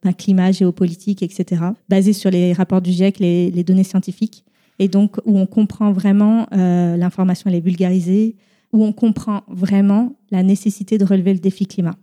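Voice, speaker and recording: Mellow-voiced young French mother, halting. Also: medium pitch, little pitch movement. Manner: halting, many fillers, laughs easily. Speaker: podcast guest. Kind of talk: casual round-table chat.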